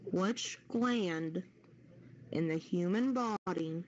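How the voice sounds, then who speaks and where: A woman's voice: on the low side, drawn-out words, darkish tone. A woman hosting a live quiz, reading out trivia questions and confirming the answers for participants. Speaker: quiz host. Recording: dull, noisy lo-fi voice-chat audio.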